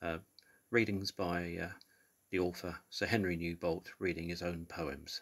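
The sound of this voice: A man speaks with a low pitch and fairly even intonation. His tone is fairly bright. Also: fairly slow pace.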